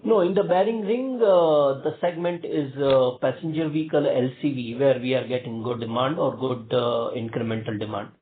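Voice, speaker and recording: Indian executive on a tinny phone line. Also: male voice, mid-range voice, a little hiss or hum. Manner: halting, hedged phrasing with repeated filler phrases. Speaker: company executive answering analysts. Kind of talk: earnings call question and answer.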